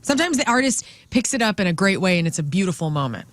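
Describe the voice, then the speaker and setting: An earnest man co-hosts a radio chat, speaking with quick enthusiasm in a fairly high voice. The studio sound is dry and close. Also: very animated, a bit bright, dry recording. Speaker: radio show co-host.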